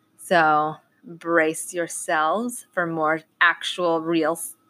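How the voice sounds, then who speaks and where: A woman's fairly low-pitched voice with a bright, sharp tone and an American accent, in a very clean recording with a silent background. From US South, South Florida. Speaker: podcast host, aromatherapist. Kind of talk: casual monologue. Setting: at home. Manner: casual, rambling with fillers.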